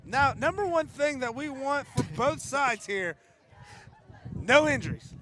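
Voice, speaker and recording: A man calling a football game live from an outdoor stadium, joking with his partner and shouting on big plays. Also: extremely high pitch, lively intonation, a little slow, noisy background. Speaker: play-by-play announcer. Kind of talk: live high school football commentary. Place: outdoor stadium in wind and rain.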